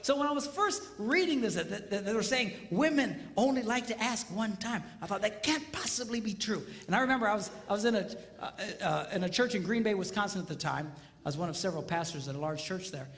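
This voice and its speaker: A pastor gives a humorous sermon, telling stories with lots of animation and acting out the people in them. His voice is bright and forceful, and his pitch swings widely. It rings out with a long hall reverb over faint background noise. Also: fast talker. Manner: animated, acts out quoted voices.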